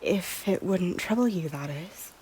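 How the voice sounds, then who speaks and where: A woman playing a guilt-ridden, wounded but proud deposed queen in an audio drama, hesitant and breathy, often dropping towards a whisper. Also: lowish voice, measured pace, dark tone, slight background noise, lightly acted, low-quality recording. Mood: subdued, grateful. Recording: music under the voice. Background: music.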